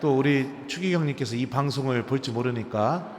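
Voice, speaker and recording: A man's voice: medium pitch, brisk, slight background noise. A man, a Catholic priest, giving a lecture to a live audience and telling funny stories while quizzing his listeners. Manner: lively humorous storytelling with quiz questions to the audience. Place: large cathedral. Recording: long cathedral reverb.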